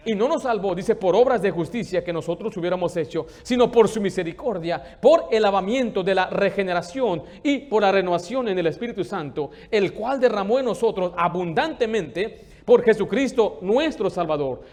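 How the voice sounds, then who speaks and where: A man preaching a sermon as pastor, asking rhetorical questions and quoting scripture. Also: high-pitched.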